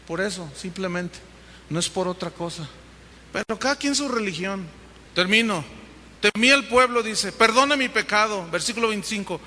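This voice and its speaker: Mexican pastor guy preaching, really high sharp voice, long church reverb, faint hiss. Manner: emphatic, hammering repetition. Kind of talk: sermon.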